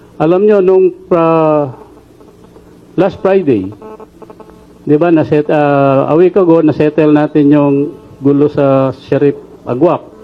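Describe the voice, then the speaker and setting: At a very slow pace with long, frequent pauses, a man with a fairly high pitch speaks at very even loudness and ordinary pitch variation. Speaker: government or security official speaking to a crowd. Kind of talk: rally speech. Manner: forceful, commanding, challenging; animated, repeating rhetorical questions for emphasis.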